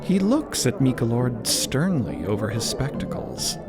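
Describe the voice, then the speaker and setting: A man's voice: mid-range voice, sing-song, unhurried. A man narrating scripted fiction as a podcast storyteller. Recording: loud music under the voice.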